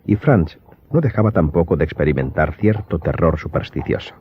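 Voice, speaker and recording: A man's voice: rumbling low, animated, normal speed, slight background noise. A man narrating a radio drama from a script in a dramatic storytelling style. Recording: dull recording with background music.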